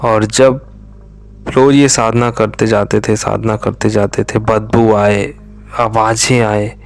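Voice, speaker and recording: A man slowly telling a true horror story, his voice sinking to a whisper at tense moments. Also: fairly low pitch, flat delivery, gravelly. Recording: faint music behind.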